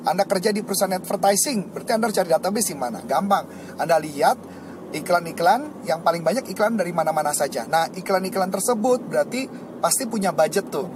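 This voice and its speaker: A middle-aged man giving a motivational sales lesson, explaining points and acting out eager sales pitches with lively energy. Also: noisy background. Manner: lively, acts out sales pitches with rising enthusiasm. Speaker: sales trainer.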